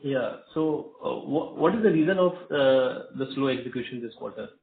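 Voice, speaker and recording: Man questioning over the phone, polite and halting, in a roomy room on a thin phone line. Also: medium pitch, vocal fry. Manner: polite and hesitant, many fillers, says sir. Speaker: analyst asking questions on an earnings call. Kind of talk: business call questions. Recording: echoey tinny phone line.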